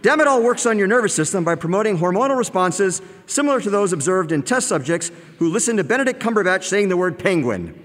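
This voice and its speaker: A man's voice: sits high, lively intonation, fast talker, fairly bright tone, big-room sound. A man playing a slick drug-commercial announcer. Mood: salesy. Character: smooth adult male drug-ad announcer.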